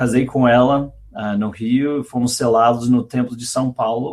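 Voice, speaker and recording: Very slowly and in a monotone, flat tone, a man speaks at a medium pitch. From USA, moved around (military family). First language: English (speaking Portuguese). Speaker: biblical scholar. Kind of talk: interview. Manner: hesitant, many fillers.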